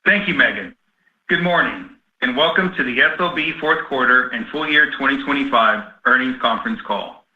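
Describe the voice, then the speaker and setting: A man with a mid-pitched voice opens a corporate call as an investor relations executive. He reads prepared remarks in a formal script. The recording is clearly roomy and a little dull, as over a conference line. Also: lively intonation, normal speed.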